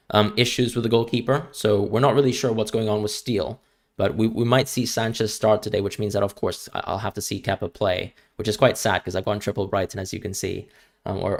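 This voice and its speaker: A young man from Hong Kong speaks with an international school accent in a fairly low, steady, brisk voice. He chats casually on a live stream, answering viewers' questions. He often stumbles and repeats words as he starts his sentences.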